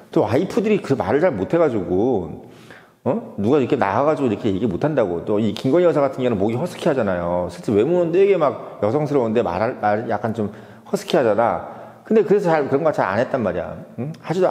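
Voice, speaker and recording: Fast, lively man in a reverberant room. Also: medium pitch. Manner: animated, with rhetorical "huh?" asides and repeated words. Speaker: political YouTube commentator. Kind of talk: casual political commentary monologue.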